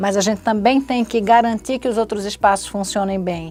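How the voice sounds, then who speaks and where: A woman speaks in a Pernambuco accent at a moderate pace, her pitch fairly high. Her intonation is fairly even, and music plays in the background. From Pernambuco, northeast Brazil. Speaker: pediatrician and public health doctor, medical professor. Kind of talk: interview testimony.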